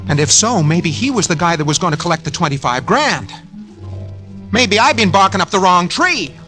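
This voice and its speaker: Nervous, hard-boiled impostor narrating. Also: male voice, high-pitched, sing-song, moderate pace, sharp tone, full character voice. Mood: tense. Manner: tense hard-boiled first-person narration. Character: nervous scheming man posing as someone else. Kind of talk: 1940s radio acting. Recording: old radio broadcast with music.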